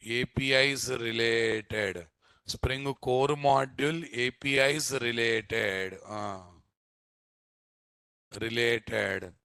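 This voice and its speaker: A man's voice: medium pitch, bright, forceful tone, no room sound. A man with a Telugu Indian accent teaching a live programming class, speaking emphatically, repeating phrases and often quizzing his listeners with short tag questions. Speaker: software instructor.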